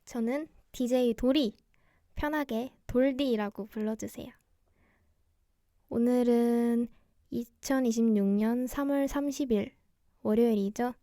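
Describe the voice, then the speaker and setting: Soft-spoken young woman DJ, mellow voice. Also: on the high side, a little slow, pauses often, dry recording, clean studio sound. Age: young adult. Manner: soft, gentle, quiet-spoken. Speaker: radio DJ host, idol singer livestreaming. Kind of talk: cozy radio-show style livestream chat.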